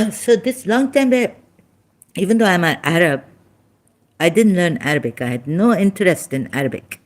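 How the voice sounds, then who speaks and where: A woman with a Pakistani accent and Sindhi as her first language, giving an informal religious talk in halting, broken English with many restarts, tired and soft-spoken as she goes on. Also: lowish voice, lively intonation. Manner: tired, winded and soft-spoken in later part. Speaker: religious commentator.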